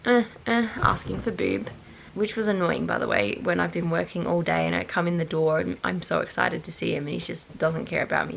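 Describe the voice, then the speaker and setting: Tired, nasal young woman, gravelly. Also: lowish voice, a bit bright, a little hiss or hum, rough recording. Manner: rambling, self-correcting. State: tired and nasal with hay fever. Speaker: vlogger. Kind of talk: casual chat to camera.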